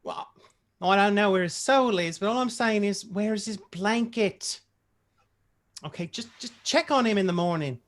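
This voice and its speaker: A woman acts a friendly policewoman in a comedy read. Her mid-pitched voice is chatty and matter-of-fact, gently scolding and earnestly concerned. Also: animated, unhurried, lightly acted.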